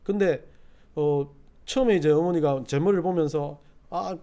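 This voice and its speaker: A middle-aged man preaching a sermon as pastor, telling folksy stories and swinging from quiet asides to loud exhortation. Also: a little high, normal speed. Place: church sanctuary.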